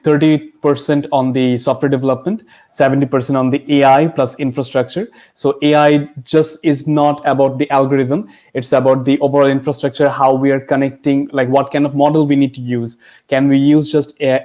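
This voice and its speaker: A man speaking as a guest tech expert, explaining informally and haltingly with many filler words. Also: mid-range voice, dark tone. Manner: halting, peppers sentences with "like". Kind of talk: informal question-and-answer explanation.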